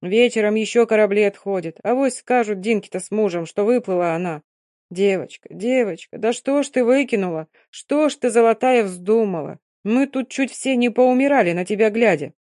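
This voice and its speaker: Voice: mid-range voice, moderate pace, a little mellow, dry recording, studio quality, natural voice. A reader voicing an older gypsy woman who scolds and fusses in a tearful way. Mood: fussing, tearful. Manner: scolding, fussing.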